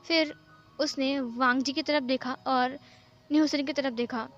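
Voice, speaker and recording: Woman storyteller, high voice, steady casual narration, dull lo-fi recording. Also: a little slow, faint music behind. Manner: plain, steady retelling.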